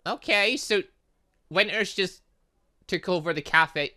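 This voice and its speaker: A man's voice: high voice, takes it slowly, pushed and bright. A man doing casual let's play commentary, rambling and reacting aloud as he plays. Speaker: gaming channel host.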